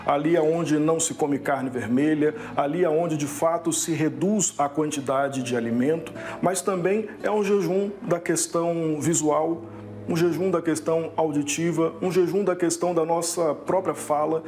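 A man's voice: on the high side, moderate pace, a little mellow. A man with a Brazilian Portuguese accent, a priest explaining earnestly by listing points one after another. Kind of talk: explanatory interview answer.

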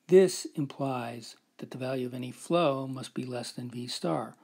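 A man's voice: mid-range voice, a little slow, vocal fry, darkish tone, breathy edge. A man giving a recorded whiteboard lecture, explaining a math proof step by step and often checking in with "right?".

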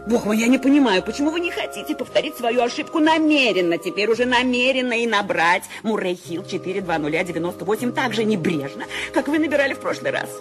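An actress playing a bedridden, nervous invalid wife who grows insistent and frantic, in a 1970s radio play with music behind. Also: female voice, fairly high pitch, lively intonation, fast talker, few pauses, lightly acted. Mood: exasperated. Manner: anxious, insistent, rising to panic. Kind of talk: 1970s radio drama acting.

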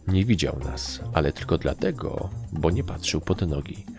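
A man narrating a story in a deep, gravelly voice. His pitch swings widely as he reads, and he pushes his voice up for the characters. Faint music plays under the reading. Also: normal speed. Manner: lively storytelling, shifts into raised voices for characters. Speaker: audiobook narrator. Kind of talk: dramatic audiobook reading with acted voices.

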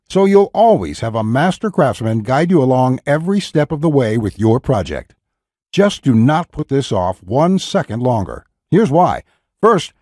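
A man reading a scripted, pushy sales pitch as a voice-over. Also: warm tone, dry recording, clean studio sound. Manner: pushy, urgent salesman delivery.

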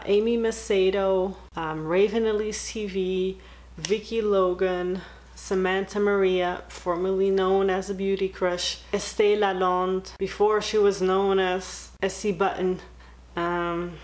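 A young woman from the Netherlands chatting casually in a beauty vlog, full of likes and ums. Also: medium pitch. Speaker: beauty vlogger. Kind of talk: casual tag video chat.

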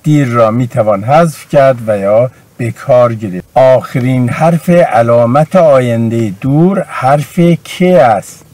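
A man at a mid pitch gives a grammar lesson. He paces each verb form slowly and deliberately, and the recording is dry and close with no room sound. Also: darkish tone, no room sound. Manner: slow, deliberate drilling of verb forms. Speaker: language teacher.

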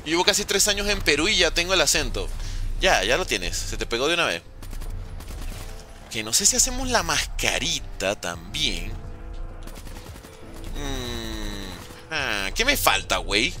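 Bright-voiced, chatty Venezuelan streamer. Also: male voice, mid-range voice, big pitch swings, unhurried, long pauses, faint music behind. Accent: Venezuelan Spanish softened by years in Mexico. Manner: chatty, slangy, answers viewers' chat aloud. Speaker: gaming streamer. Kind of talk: casual live-stream chat while gaming.

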